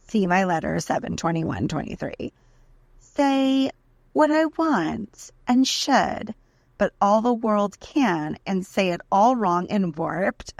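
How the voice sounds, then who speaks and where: A woman's voice: lowish voice, gravelly, dry recording, exaggerated voice. A woman giving a dramatic reading as an aggrieved, desperate defendant, indignant and emphatic as she pleads her case in a letter. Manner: indignant, emphatic, deliberate list-like delivery.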